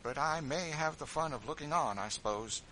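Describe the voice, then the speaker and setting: A man's voice: on the high side, moderate pace, sharp tone, a little hiss or hum, pitched above the performer's own voice, low-quality recording. A man reading an audiobook, voicing an easygoing, wry Quaker frontiersman with folksy plain speech.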